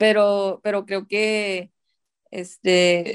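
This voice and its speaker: The speech comes at a very slow pace. Its intonation is monotone and flat. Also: woman. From US, Nampa, Idaho. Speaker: professional footballer. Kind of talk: interview.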